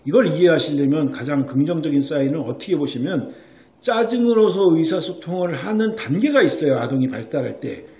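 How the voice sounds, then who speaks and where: A male doctor explaining child development to parents, emphatic, often pausing for rhetorical checks. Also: a little high, expressive, darkish tone. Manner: emphatic, keeps asking rhetorical checks like "right?". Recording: echoey room.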